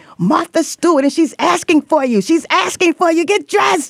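A put-on character voice, high-pitched, goes along at a moderate pace. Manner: urgent, insistent.

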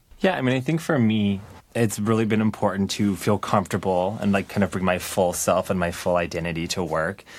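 With an American accent, a man with a plain, everyday voice and fairly low pitch talks at a fairly quick pace, with very even loudness and ordinary pitch variation. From Georgia, US South (Norcross). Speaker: corporate employee group leader. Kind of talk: panel discussion. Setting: remote studio.

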